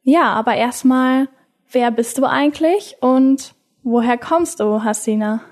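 A woman hosting a faith podcast interview, asking gentle, encouraging questions in a casual tone. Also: high-pitched, a little slow.

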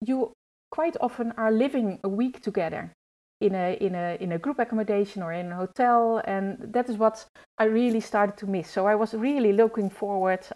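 Woman, 40s, podcast guest; mellow, relaxed tone, halting delivery with many pauses. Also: mid-range voice, low-quality recording. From Netherlands. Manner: hesitant, searching for words. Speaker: youth trainer and guest. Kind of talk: podcast conversation.

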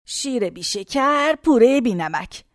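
A woman's voice: on the high side, animated, dry recording, studio quality, natural voice. An actress playing a very old woman in a care home, who rambles folksily between memories and complaints. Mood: fretful. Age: older.

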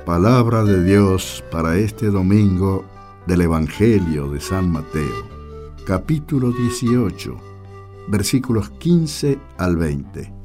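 A man reading scripture as a Gospel reader, solemn, measured and deliberate. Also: deep voice, expressive, music in the background.

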